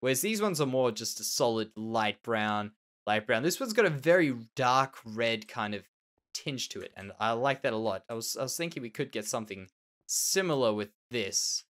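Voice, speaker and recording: With big pitch swings, a moderate pace, and a fairly bright mid-range voice, an Australian man narrates casual Minecraft gameplay. As the let's play host, he muses over his own building and repeats words, sounding nasal and slightly tender.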